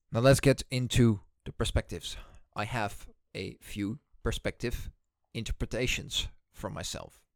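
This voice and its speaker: A man with a Dutch accent talks at a moderate pace. He takes long, frequent pauses. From Netherlands. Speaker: security professional and channel host. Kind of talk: solo commentary podcast. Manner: halting.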